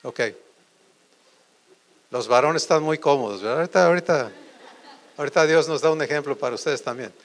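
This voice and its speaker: A man preaching a sermon, asking the congregation quick questions. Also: a little high. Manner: animated, quizzes the audience with quick questions.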